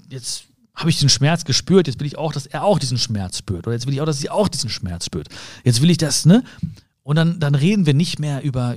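Mellow-voiced man giving gentle life advice. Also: mid-range voice, no room sound, studio quality. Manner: calm, addresses the listener directly, rephrases often. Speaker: podcast host. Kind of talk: reflective self-help monologue.

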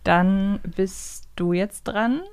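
A woman's voice: medium pitch, a little mellow, clear, resonant tone, no room sound. A woman co-hosting a podcast, teasing and firing off short answers in a casual guessing game. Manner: teasing, quick yes-no answers. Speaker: podcast co-host.

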